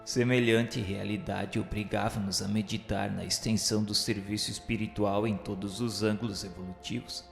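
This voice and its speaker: A man with a Brazilian accent reads a scripted radio novela narration in a formal, measured, didactic way. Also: fairly low pitch, vocal fry. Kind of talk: scripted dramatized narration, solemn literary reading. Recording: echoey hall reverb, music underneath. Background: music.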